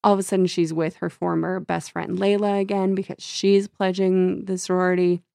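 A woman with a gravelly, husky, tired voice, casually discussing books in blunt, slangy, sweary language. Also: fairly low pitch, level tone, moderate pace, warm tone, no echo, clean studio sound. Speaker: book discussion show co-host.

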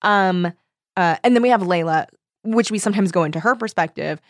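A woman's voice: mid-range voice, brisk, no echo, clean studio sound. A woman casually discussing books as a co-host, informal and slangy, often acting out reactions with "like". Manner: informal, slangy, peppered with 'like' and quoted reactions. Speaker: book discussion show co-host.

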